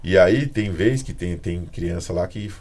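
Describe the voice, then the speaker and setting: Brief: husky low-voiced Brazilian man, quick and animated podcast host. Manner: animated storytelling, mimics his daughter and kids. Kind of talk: casual podcast chat.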